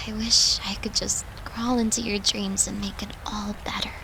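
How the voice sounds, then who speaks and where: A woman playing a devoted, tender girlfriend who soothes her lover in a soft, affectionate, intimate roleplay. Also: medium pitch, little pitch movement, vocal fry, slight background noise, low-quality recording. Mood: gentle, consoling. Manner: soft, soothing, affectionate, unhurried, at times whispering. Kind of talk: intimate roleplay audio, comforting.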